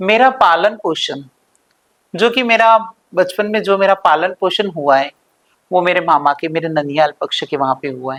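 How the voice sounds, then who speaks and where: The recording is dry and close with no echo. A man speaks high in pitch with lively intonation. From Dungarpur district, southern Rajasthan, India. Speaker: religious leader (mahant). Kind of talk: interview. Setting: studio.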